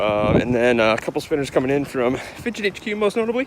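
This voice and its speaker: With very wide pitch swings, a man talks at a very fast pace over noticeable background noise. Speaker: YouTuber reviewing fidget spinners. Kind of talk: casual vlog monologue. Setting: outdoors, walking.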